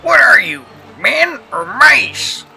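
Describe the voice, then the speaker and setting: A man voicing a small, brave, bossy male mouse commander in a storybook, squeaky and creaky, barking out orders. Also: very animated, slow pace, sharp tone, faint music behind, heavily acted, poor audio. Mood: commanding. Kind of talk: storybook character voice.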